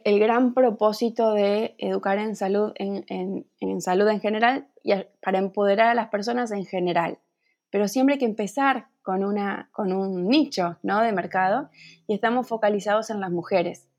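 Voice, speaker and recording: A woman's voice: mid-range voice, normal speed, a little mellow. A woman from Santa Fe, Argentina, with an Argentine accent, a gynecologist answering interview questions earnestly and at length. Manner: earnest, explains at length with small restarts. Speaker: guest, gynecologist and entrepreneur.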